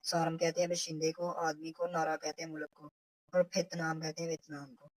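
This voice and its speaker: A woman's voice: sits low, flat delivery, brisk, no room sound, low-quality recording. A woman, teaching a recorded language lesson from a textbook. She explains step by step and repeats the example phrases.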